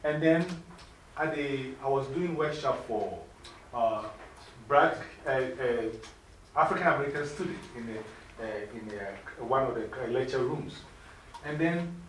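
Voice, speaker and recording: A middle-aged woman with a Ghanaian accent, mentoring young people in an informal classroom talk, lively and preachy, laughing easily. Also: a bass voice, moderate pace, slight background noise. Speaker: mentor speaking to youth. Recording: echoey room from far off.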